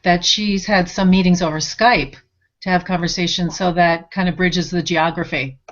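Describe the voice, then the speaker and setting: A woman's voice: on the low side, fairly even intonation, moderate pace. A woman hosting a webinar conversation, giving brief affirming responses. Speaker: host, interviewer. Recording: dull lo-fi audio.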